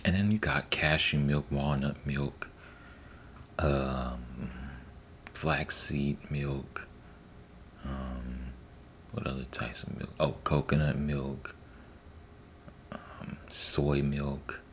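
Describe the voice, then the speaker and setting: A man giving a soft-spoken ASMR ramble, unhurried and repetitive, sometimes slipping into a whisper. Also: a bass voice, fairly even intonation, slight background noise. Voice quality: soft, partly whispered delivery. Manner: unhurried, rambling, repeats himself. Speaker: ASMR host.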